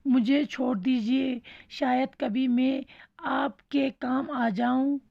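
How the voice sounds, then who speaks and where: Storybook mouse: small, scared male who begs politely and over again, read by a woman teacher, husky and gravelly, lo-fi. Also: high voice, fairly even intonation, slow, no room sound, full character voice. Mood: pleading. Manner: pleading, polite, repeats its plea. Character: frightened little male mouse pleading for mercy. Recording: dull lo-fi dry recording.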